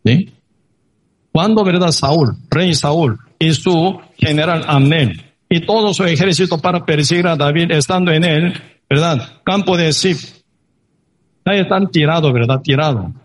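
A man preaching a sermon that retells a Bible story, halting and peppered with tag questions. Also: a little high.

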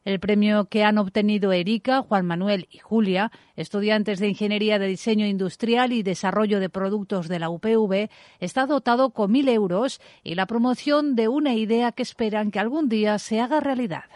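A woman reading a radio news report in a clear, even delivery. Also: mid-range voice, normal speed, no echo, studio quality.

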